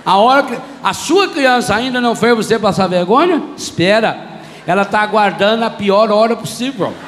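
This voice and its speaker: High, bright-voiced Brazilian priest preaching. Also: male voice, normal speed, big-room sound, slight background noise. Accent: Brazilian Portuguese. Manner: lively, humorous, acts out voices. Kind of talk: sermon.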